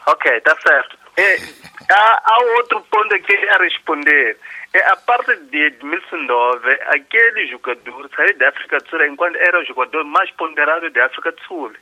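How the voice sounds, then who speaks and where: A man's voice: on the high side, expressive, moderate pace, sharp tone. A man, a sports commentator rambling through greetings to clubs and colleagues. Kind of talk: radio sports debate. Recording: dull lo-fi line.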